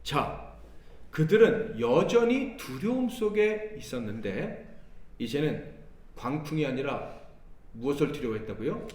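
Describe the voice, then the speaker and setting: A man's voice: mid-range voice, very animated, measured pace, pauses often, a little mellow. A man preaching a Sunday sermon to his congregation. He acts out the words of Jesus and the disciples and keeps asking the congregation questions. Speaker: pastor. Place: church sanctuary. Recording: echoey church hall, mic at a distance.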